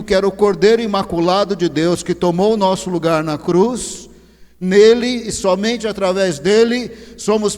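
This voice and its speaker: A male pastor preaches a sermon in a large church hall, moving between low, slow emphasis and loud, rising exhortation. Long church reverb fills the recording.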